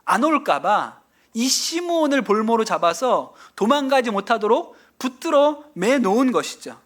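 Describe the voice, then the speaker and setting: A man's voice: extremely high pitch, sing-song, moderate pace, a bit bright. A middle-aged man preaching a Sunday sermon as pastor in a church, telling the story and putting questions to the congregation. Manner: storytelling preacher, asking the congregation questions and acting out quoted lines. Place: church sanctuary.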